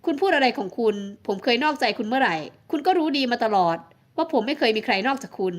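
A woman reading a romance audiobook, voicing a young man who quietly admits his fault. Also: high voice, lively intonation, fast talker. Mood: defensive. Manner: quiet, apologetic. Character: remorseful young man, lover. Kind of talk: audiobook romance novel acting.

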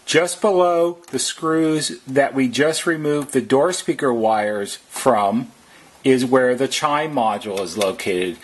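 A man's voice: mid-range voice, breathy edge. A man narrating a step-by-step how-to as a technician, explaining plainly and methodically. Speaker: repair technician giving instructions.

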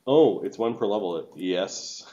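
A man's voice: lowish voice, animated, measured pace, muffled recording, a crowd in the background. A middle-aged man running a tabletop game as game master, casually narrating and explaining rules over an online call. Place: indoor room, video call.

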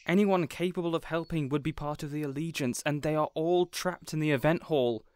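Man playing a flustered, higher-pitched inept would-be villain. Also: fairly quick, darkish tone, smooth, no room sound, studio quality, natural voice. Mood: distraught, self-blaming. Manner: flustered, self-blaming, urgent. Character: anxious, well-meaning, inept young male would-be supervillain. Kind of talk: audio roleplay acting.

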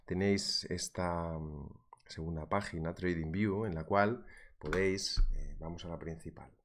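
A man's voice: deep voice, unhurried, a little hiss or hum. Joking man teaching trading. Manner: jokey, chatty, reads viewer chat aloud. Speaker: trading instructor. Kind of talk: live trading webinar, casual teaching.

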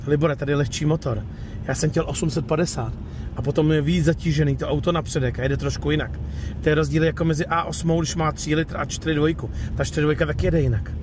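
A man's voice: fairly high pitch, noisy background. A man hosting a casual car vlog, talking informally through a walkaround and test drive at a used car lot. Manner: chatty, informal, tags sentences with "jo". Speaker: host of a car review channel. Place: outdoors at a used car lot, then inside a car.

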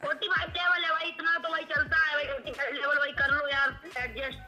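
A quick, high-pitched caller from central India with an Indian accent. The talk is casual, over a phone call with loud music behind. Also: little pitch movement. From Madhya Pradesh, India. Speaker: young fan calling in.

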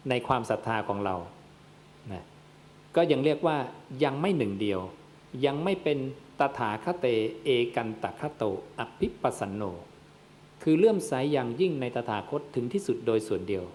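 A Buddhist monk gives a dharma sermon in a man's voice of middle pitch. He speaks straight to his listeners and puts questions that he answers himself. A faint noise runs under the recording. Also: big pitch swings, fairly quick, a little mellow. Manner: addresses listeners as "yom", asks and answers his own questions.

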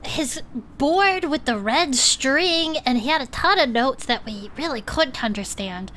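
A woman's voice: high voice, expressive, a little slow, bright, forceful tone, slight background noise. A woman co-hosting an audio drama, recapping the story in a dramatic, chatty style. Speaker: co-host and player.

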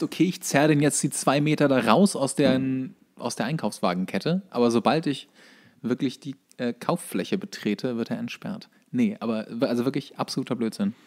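A man's voice: medium pitch, a little fast. A man co-hosting a podcast, chatting casually with mock-indignant rants and emphatic wording. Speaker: podcast co-host. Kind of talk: casual chat.

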